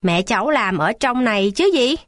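A woman voicing a stern male hospital gate guard in a children's storybook, in a gruff scolding manner. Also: on the high side, lively intonation, normal speed, no room sound, natural voice. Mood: gentle. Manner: gruff scolding, softening later.

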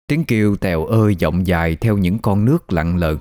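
A man narrating a ghost story in a measured, evocative way. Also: deep voice, no room sound. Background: soft music.

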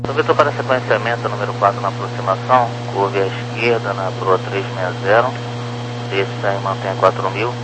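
Male air traffic controller, low voice, clipped radio phraseology, crackly transmission with clear hum. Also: steady tone, fairly quick. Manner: clipped procedural instructions, numbers read digit by digit. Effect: crackly aviation radio.

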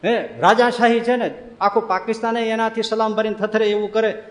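A man gives a storytelling sermon at a brisk pace, his high voice ringing out as he laughs frequently and builds arguments through rhetorical questions. The sound has slight hiss or hum and a long, hall-like reverb trailing each phrase of this spiritual speaker.

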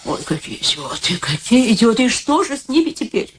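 A woman's voice: fairly high pitch, sing-song, a little fast, slight background noise. Fretful, effusive elderly mother. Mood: lamenting. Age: older. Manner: plaintive, effusive, repeats exclamations. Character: frail, dying elderly mother, fretful, sociable, theatrical. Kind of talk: radio play acting.

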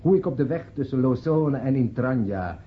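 An actor in a radio play voicing a sentimental friend giving a solemn funeral eulogy, declamatory and deliberate with dramatic pauses. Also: male voice, mid-range voice, expressive, slight background noise, close to an everyday voice. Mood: solemn, tender. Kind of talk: Dutch radio drama acting. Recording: dull, muffled radio play recording.

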